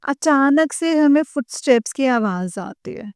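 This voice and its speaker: A woman telling her dream to a spiritual congregation, mixing English words into Hindi, with slow pauses and hesitations. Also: sits high, lively intonation, a little mellow, dry recording, clean studio sound. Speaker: devotee sharing a dream experience. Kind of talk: personal testimony to a spiritual congregation.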